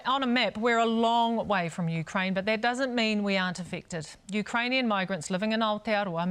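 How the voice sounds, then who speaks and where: A woman presenter reading a scripted news introduction in a measured way. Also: mid-range voice, fairly bright tone.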